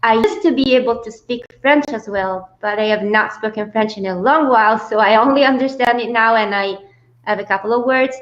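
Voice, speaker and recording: Woman, relaxed, higher pitch, echoey room, muffled lo-fi sound. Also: a little fast. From Italy. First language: Italian. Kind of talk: casual video-call discussion.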